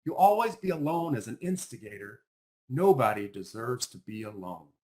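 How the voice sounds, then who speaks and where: A man voicing a gentle but forthright female black bear in a picture book, speaking earnestly and emphatically. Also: medium pitch, sing-song, moderate pace, lightly acted. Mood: sympathetic.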